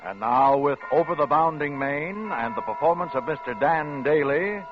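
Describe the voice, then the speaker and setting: A man's voice: on the high side, moderate pace, noisy background. A man announcing a show in a formal, dramatic scripted style of vintage radio. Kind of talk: scripted 1940s-50s radio introduction. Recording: dull old radio recording under loud music.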